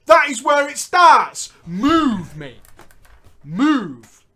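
This comedy show host, a man, reads viewer stories out loud and jokes with his co-host, often laughing and alternating between loud bursts and hushed asides. He talks very slowly in a very high-pitched voice with big pitch swings.

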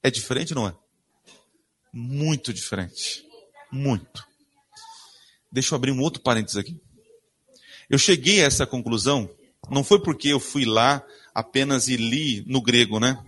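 A man's voice: medium pitch, animated, moderate pace, pauses often, a bit bright. A man preaching a sermon, reading Bible verses aloud and questioning his congregation in a church. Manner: asks the congregation questions and answers them himself.

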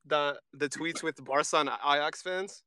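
A man's voice: a little high, a little slow, sharp tone, clear, resonant tone. A man, chatting casually about football in slang.

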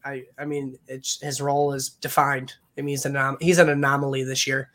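A man's voice: mid-range voice, level tone, fairly quick, fairly bright tone. Nasal-voiced man, podcast co-host. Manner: hedging, lots of "I mean". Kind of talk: casual podcast chat.

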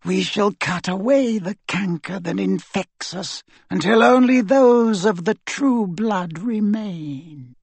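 A man doing a soft, sinister dark lord. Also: sits high, creaky, slightly rough, no echo, voice pushed up, exaggerated voice. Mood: menacing. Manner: slow, soft, sinister and deliberate. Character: cold menacing male dark lord, quiet and cruel.

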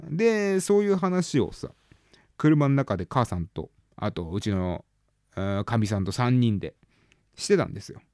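A man in his thirties talks alone in a loose, rambling way, full of fillers and sudden overblown exclamations. His pitch swings widely and stays animated throughout. The sound is dry and close, with no room echo. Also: normal speed. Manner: rambling, chatty, with hesitant fillers; bursts into exaggerated exclamations. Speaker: podcast host. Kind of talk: casual solo chat.

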